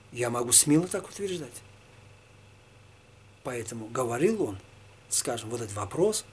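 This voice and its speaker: A man, a Tatar native speaker, answering religious questions one by one in a halting, informal way. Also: on the high side, a little mellow, slight background noise. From Tatarstan, Russia. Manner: halting, with many fillers and restarts.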